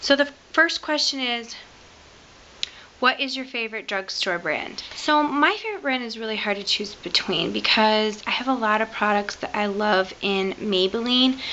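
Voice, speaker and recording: At a moderate pace, a woman talks with lively intonation and a fairly high pitch over noticeable background noise. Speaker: beauty vlogger. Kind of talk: casual vlog talk.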